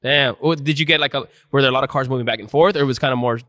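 A man hosting a casual interview, relaxed, backing up the guest with frequent agreement. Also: medium pitch, racing, dry recording. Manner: relaxed, frequent "yeah, yeah" backchannels. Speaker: interviewer, podcast host.

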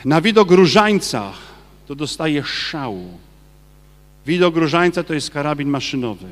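A man, a Catholic priest, giving a lively sermon and firing rhetorical questions at his listeners. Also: on the high side, measured pace, big-room sound. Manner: acts out quoted people in his talk.

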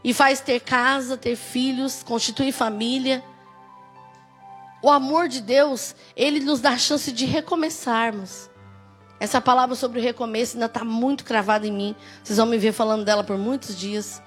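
A woman's voice: a little high, steady tone, normal speed, soft background music. A woman pastor with a Brazilian Portuguese accent, preaching a conversational sermon with emphatic, rising exclamations.

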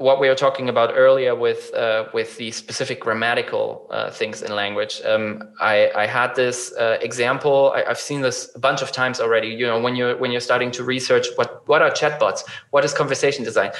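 A man with a medium-pitched, fairly bright voice talks a little fast with hardly any pauses and fairly even intonation. In casual conversation about chatbot design, he explains ideas through examples, hesitant with frequent fillers and restarts.

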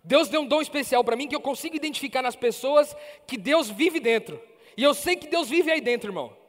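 A man's voice: extremely high pitch, lively intonation, fairly quick. A man with a Brazilian Portuguese accent, a preacher telling a story in a sermon and animatedly acting out the dialogue. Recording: reverberant hall, faint music.

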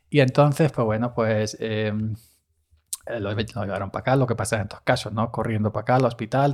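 A man's voice: mid-range voice, darkish tone. A man hosting a casual monologue podcast, talking in a rambling, chatty way and often correcting himself. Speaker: podcast host and olive farm worker. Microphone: studio microphone.

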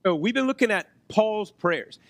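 Hoarse, higher-pitched man preaching. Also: animated, normal speed, no room sound. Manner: conversational, checks in with rhetorical questions. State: hoarse, losing his voice, occasional cough. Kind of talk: sermon to a congregation. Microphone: close microphone on a PA.

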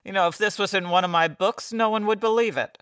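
An actress playing a cornered, calculating murderess in an old-time radio detective drama, guarded and theatrical. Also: female voice, mid-range voice, quick pace, clear, resonant tone, no room sound, studio quality, close to an everyday voice. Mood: bitter. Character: cornered 1940s noir murderess, wealthy and calculating publisher.

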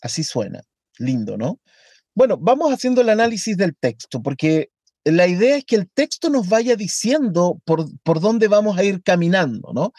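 A man teaching a lesson on a Hebrew text, speaking slowly and deliberately, into a close mic. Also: sits high, darkish tone, no echo. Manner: slow, deliberate, reads Hebrew aloud.

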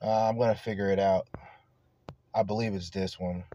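A man hosting an off-the-cuff stream, rambling and swearing as if high, in a stoned manner. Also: fairly even intonation, normal speed, warm tone, muffled recording. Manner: profane, emphatic. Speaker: streamer and show host. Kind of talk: off-the-cuff ranting commentary.

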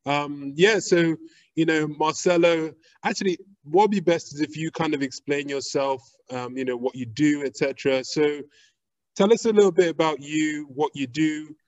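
A man hosting an interview podcast who asks his questions in a relaxed, friendly way, with fillers like "you know.". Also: on the high side, moderate pace, no room sound, lo-fi sound. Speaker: podcast host.

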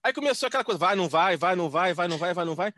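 Animated high-voiced man telling stories. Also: racing, no room sound, clean studio sound. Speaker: podcast co-host. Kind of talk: casual comedic storytelling.

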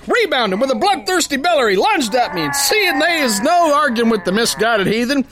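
An actor playing a boastful, dim but good-hearted brawling sailor in a pulp radio drama, with folksy slang. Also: male voice, extremely high pitch, big pitch swings, a little fast, background noise. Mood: wry storytelling. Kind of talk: first-person pulp radio drama narration and dialogue.

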